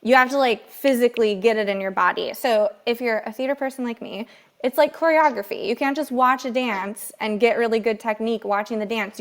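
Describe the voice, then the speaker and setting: A bubbly woman in her thirties talks casually on a podcast. Her voice sits fairly high. She rambles warmly and laughs easily. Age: 30s. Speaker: podcast co-host. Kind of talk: casual chat.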